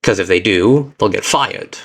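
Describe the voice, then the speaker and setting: Earnest low-voiced man, bright tone. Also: slightly rough. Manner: earnest, reflective, uneven pace with halting restarts. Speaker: VTuber streamer. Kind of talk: heartfelt personal speech to stream chat.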